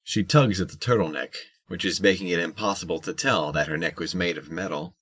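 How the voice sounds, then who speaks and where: A man's voice: low-pitched, brisk, fairly bright tone. A man reading scripted narration for an audio drama.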